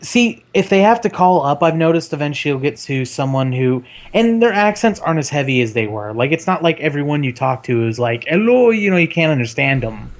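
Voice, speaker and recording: A man's voice: a little high, lively intonation, a little fast, few pauses. Blunt, self-mocking male co-host. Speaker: podcast co-host. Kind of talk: casual gaming podcast chat.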